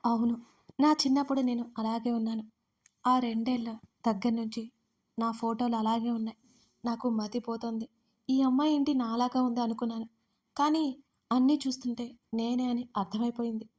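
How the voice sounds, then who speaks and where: A shaken young woman, fighting tears, her words coming slow and broken, voiced by a woman reading an audio story. The voice sits a little high and soft, with a mellow tone. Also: fairly even intonation, natural voice. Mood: tearful. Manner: halting, broken by sobs.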